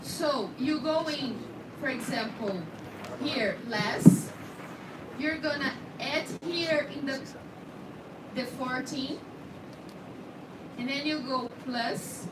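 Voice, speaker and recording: High-pitched Brazilian woman teaching, echoey, noisy room. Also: slow, long pauses. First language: Portuguese. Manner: checks understanding often. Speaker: instructor in dental scanning. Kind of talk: hands-on technical demonstration to trainees. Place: indoor training room with background noise. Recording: echoey room, distant mic, heavy noise.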